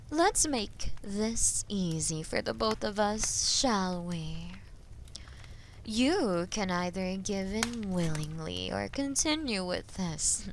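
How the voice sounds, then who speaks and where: A woman playing a haughty, menacing female dragon in an audio roleplay, imperious and mocking, with a breathy voice that often drops into whispers. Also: medium pitch, fairly bright tone, a little hiss or hum, full character voice. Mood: impatient threat. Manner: imperious, mocking, slow and deliberate. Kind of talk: scripted audio roleplay addressed to listener.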